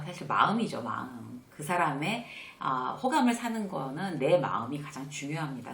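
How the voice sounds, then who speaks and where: A middle-aged woman hosting a casual spoken lesson on workplace manners, acting out sample greetings as she goes. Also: vocal fry. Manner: lively, acts out sample greetings in a bright higher voice. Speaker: workplace lecturer and channel host. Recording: roomy echoey room.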